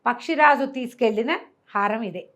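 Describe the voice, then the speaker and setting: A woman's voice: on the high side, normal speed, a bit bright. A woman with a Telugu accent telling a folk tale conversationally, explaining as she goes and acting out dialogue in her own voice. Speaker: storyteller.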